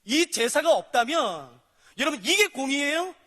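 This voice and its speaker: A man's voice: very high voice, very animated, normal speed, sharp tone, big-room sound. A male pastor preaching a sermon, animatedly acting out dialogues between God and sinners.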